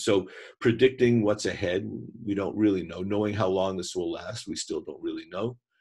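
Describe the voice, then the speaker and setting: A man speaks in a Montreal accent at a fairly low pitch, somewhat breathy. The background is quiet. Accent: Canadian English, Montreal. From Montreal, Quebec, Canada; Quebec, Canada. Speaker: psychiatrist; webinar presenter. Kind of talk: webinar presentation. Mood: calm, reassuring. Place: home room. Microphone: webcam.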